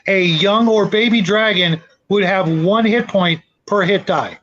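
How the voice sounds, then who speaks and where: A man's voice: sits high, a little slow, a bit bright. A man on a podcast panel, casually explaining his point of view over a dull, lo-fi mic. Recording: dull lo-fi mic, clear background noise.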